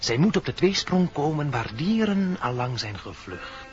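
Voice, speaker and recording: A man's voice: a little high, very animated, moderate pace. A man voicing a wise, solemn deer in a radio play, speaking in cryptic, poetic incantations. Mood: solemn, foreboding. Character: wise, solemn male deer, oracle of old dreams. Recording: dull vintage radio recording.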